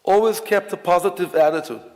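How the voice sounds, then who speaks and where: A man from Israel with an Israeli accent, giving a memorial eulogy in a halting, reflective way with many fillers and restarts. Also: high voice. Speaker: officiant at a memorial service. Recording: long hall reverb.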